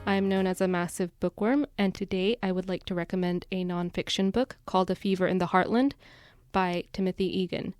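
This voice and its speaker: A woman's voice: on the low side, fairly even intonation, brisk, darkish tone, clear, resonant tone, no room sound, clean studio sound, faint music behind. A woman hosting a bilingual news discussion podcast as a reporter, introducing topics and putting questions.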